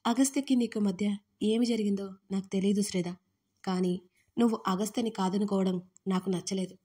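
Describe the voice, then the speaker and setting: A woman voicing a worried, fatherly older man who speaks softly and pleads affectionately in an audio story. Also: medium pitch, steady tone, a little fast, breathy edge, natural voice. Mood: gentle.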